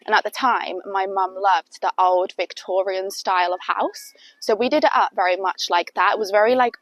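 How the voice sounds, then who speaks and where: Sniffling from a cold, a young British woman tells her viewers a rambling, casual story, peppered with "like." The low-quality recording catches her medium-pitched voice with no room sound, in the style of a vlogger's storytime chat.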